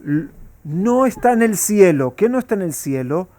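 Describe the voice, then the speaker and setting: A man's voice: high voice, big pitch swings, moderate pace, a little mellow, slight background noise. A man, a rabbi, teaching a Talmud class and asking his students rhetorical questions.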